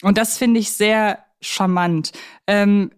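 Casting: woman, podcast co-host, casual film talk, playful and colloquial, medium pitch. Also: steady tone, takes it slowly, clean tone.

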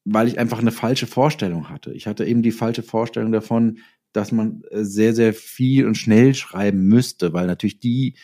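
Low, mellow-voiced man reflecting in conversation. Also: moderate pace. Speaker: interview guest, novelist and former advertising copywriter.

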